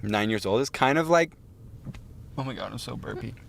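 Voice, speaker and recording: A man's voice: mid-range voice, lively intonation, moderate pace, gravelly, a bit bright. A young man co-hosting a podcast, telling stories casually in a self-mocking, digressive way with some swearing. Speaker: podcast co-host. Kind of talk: casual chat, rambling storytelling.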